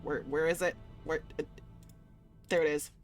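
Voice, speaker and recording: A woman streaming a game and chatting casually to viewers in an excitable, gushing, playful and slangy way. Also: sits low, moderate pace. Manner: slangy, swearing. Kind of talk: casual livestream chat to viewers. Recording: music behind the voice. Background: music.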